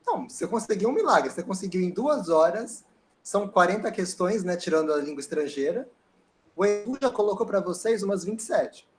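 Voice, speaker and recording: High voiced guy co-teaching, throws in bad jokes, casual review class. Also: lively intonation, fairly quick, slight background noise. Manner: joking, chimes in with asides. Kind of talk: casual online review lesson.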